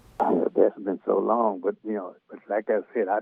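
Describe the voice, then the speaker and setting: A man is talking here. You can hear a Southern US accent in his speech. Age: 60s. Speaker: caller. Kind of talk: phone-in question. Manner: halting. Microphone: hard to hear through phone line.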